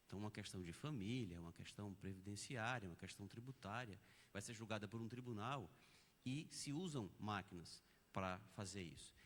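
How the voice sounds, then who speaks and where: A man's voice: fairly low pitch, fairly quick, fairly bright tone, slight background noise. A man with a Brazilian Portuguese accent giving an academic lecture at a conference, explaining ideas step by step with examples. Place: conference auditorium. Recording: long reverb of a lecture hall.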